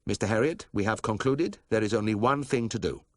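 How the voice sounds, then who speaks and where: A man's voice: fairly low pitch, pitched above the performer's own voice, close to an everyday voice. A man voicing a proud, stern middle-aged vet who speaks formally. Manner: formal, measured, unbending.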